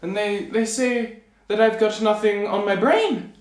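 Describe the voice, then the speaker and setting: A man's voice: high-pitched, a little slow, reverberant, pitched above the performer's own voice. A man voicing a meek, simple little tailor in a storybook tale, hesitant and flustered. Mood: confused. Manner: hesitant, rambling, stammering.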